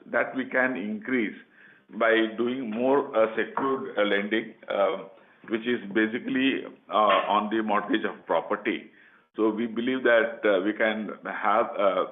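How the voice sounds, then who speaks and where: A man with an Indian accent, speaking as a company executive answering questions on a conference call, haltingly and with repeated phrases. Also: on the low side. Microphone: telephone conference line. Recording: muffled conference phone line.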